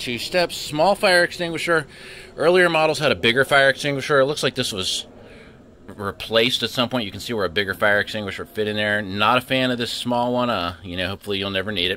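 A man talking at a very fast pace, lively intonation, light background noise. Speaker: RV renter reviewer. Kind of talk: tutorial walk-through. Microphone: phone near.

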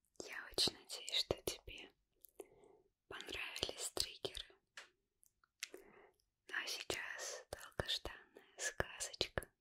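A soft-spoken woman whispers at a very slow pace, leaving long, frequent pauses. The background is quiet. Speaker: ASMR host. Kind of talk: soft bedtime story narration. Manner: soft intimate ASMR whisper. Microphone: studio mic.

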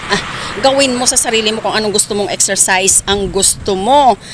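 Noticeable background noise sits behind a woman speaking at a fairly high pitch and a moderate pace. Her tone is animated, with ordinary pitch variation. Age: 50s. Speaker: vlogger. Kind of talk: vlog monologue while jogging. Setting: outdoors.

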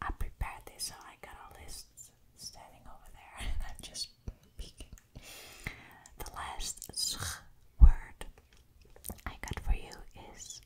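A woman's whisper. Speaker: ASMR creator. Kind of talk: ASMR trigger words repeated in a whisper. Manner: whispered, soft. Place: home room. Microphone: studio mic.

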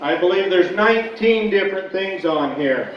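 A man with a high pitch speaks amid light background noise, with audible room echo. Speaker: benefit auctioneer. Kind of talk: casual spoken pitch before bidding. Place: hall.

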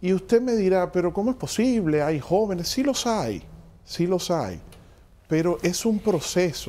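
A man speaks at a high pitch in a dark, mellow tone. His intonation is lively and his pace fairly slow. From Dominican Republic. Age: 40s. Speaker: politician and port authority director; politician. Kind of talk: TV interview. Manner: formal. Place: studio. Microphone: lapel.

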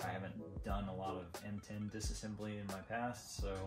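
Clear music plays behind the speaker. He is a man. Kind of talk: casual tutorial commentary. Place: garage. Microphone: camera far.

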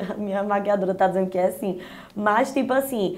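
Here a woman speaks at a fairly quick pace. Her pitch variation is ordinary. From Paraíba sertão, Brazil (Solânea); Paraíba, Brazil. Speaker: comedian youtuber; interview guest, comedian. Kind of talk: TV interview. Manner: loud; animated. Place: studio.

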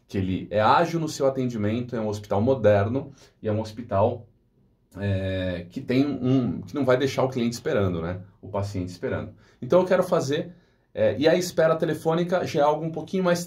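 Somewhat breathy, a man speaks at a moderate pace with very wide pitch swings against a quiet background. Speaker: professional voice-over artist, voice actor and voice coach. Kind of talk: casual talk to camera explaining his work process. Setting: home recording studio. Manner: friendly, conversational. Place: booth.

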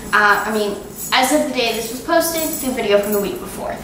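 A woman's high-pitched voice comes through with noticeable background noise and audible room echo. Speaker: home baking vlogger. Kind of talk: casual vlog chat. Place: kitchen. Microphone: camera far.

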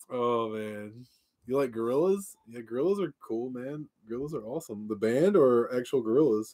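A man talks at a moderate pace with a dark, mellow tone and lively intonation. His loudness swings widely, and the background is quiet. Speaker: YouTube channel co-host. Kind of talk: casual live stream chat while painting. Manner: jokey, laughs often. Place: home room.

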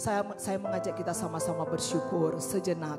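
A woman talks at a moderate pace over loud background music. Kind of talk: prayer leading, worship exhortation. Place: church. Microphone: handheld.

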